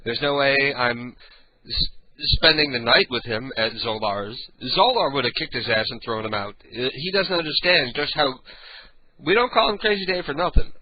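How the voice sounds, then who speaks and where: On his profane late-night radio show, an older host with a raspy, booming voice and stuffed-up sinuses wanders through stories, clearing his throat again and again. He speaks expressively at a moderate pace, and the audio sounds dull.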